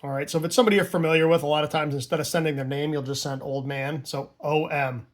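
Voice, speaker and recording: Higher-pitched man giving an informal tutorial. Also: steady tone, quick pace. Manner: casual, conversational asides. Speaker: amateur radio instructor and operator.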